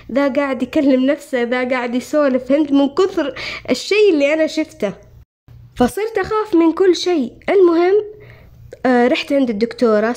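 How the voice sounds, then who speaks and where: A woman's voice: high voice, a little mellow. A woman with a Saudi accent telling a true story in the first person, in an emotional, earnest way.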